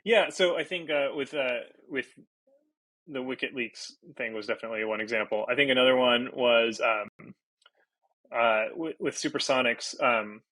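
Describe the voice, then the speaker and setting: A man's voice: medium pitch, moderate pace, bright, forceful tone, no room sound, poor audio. A Portuguese-native man from Brazil, a podcast guest, talking casually and thinking aloud with many fillers and restarts. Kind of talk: casual interview talk.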